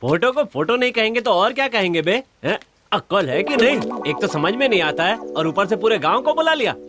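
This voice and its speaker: An actor playing a bossy village elder who barks curt, scolding orders. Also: male voice, high-pitched, very animated, a little fast, music in the background. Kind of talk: Hindi film acting.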